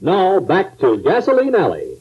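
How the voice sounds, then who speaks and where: A man's voice: high voice, huge pitch swings, normal speed, over loud music. A male announcer dramatically narrating a scripted comedy serial in the old-time radio manner. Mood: amused, dramatic. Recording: tinny, narrow old radio broadcast.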